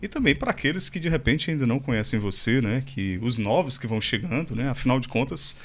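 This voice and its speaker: A man hosting a podcast, chatting warmly and joking lightly as he introduces his guest. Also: medium pitch, animated, quick pace. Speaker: podcast host. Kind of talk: casual interview chat.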